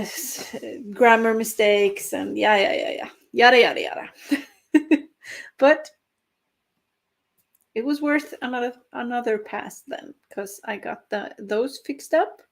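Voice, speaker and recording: A young adult Norwegian woman, a native speaker, hosts a writing livestream and chats casually with viewers, laughing often and using lots of fillers. Her voice is a little high and a little mellow.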